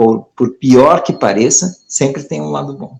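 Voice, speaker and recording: The man's medium-pitched voice swings very widely in pitch. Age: 60s. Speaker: spiritist lecturer. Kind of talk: interview in online talk. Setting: online video call. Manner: halting, many fillers.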